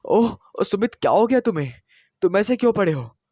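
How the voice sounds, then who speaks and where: A man voicing a stubborn, sharp-tongued young wife in a petulant, defiant way. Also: medium pitch, steady tone, moderate pace, no room sound, clean studio sound, natural voice. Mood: feigned alarm.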